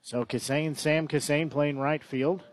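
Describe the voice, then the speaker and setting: A man calls a baseball game play by play in a fairly high, steady voice at a measured pace, captured on a dry recording. His commentary is chatty and conversational, and he often corrects himself.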